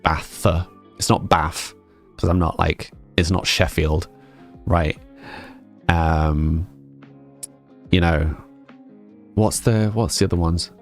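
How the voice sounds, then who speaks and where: Young english man, very low voice, relaxed rambling stream chat, soft music behind. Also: slow, pauses often. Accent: English, mixed northern and southern. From England, with family in Scotland. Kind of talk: casual chat with stream viewers.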